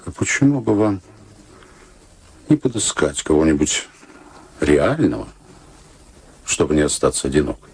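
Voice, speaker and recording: Wry gentleman with wildly swooping intonation. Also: a bass voice, sing-song, breathy edge, full character voice. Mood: ironic. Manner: hesitant, wry, teasing, with drawn-out fillers. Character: ironic, gallant accountant posing as a daughter's fiancé. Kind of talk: radio play acting.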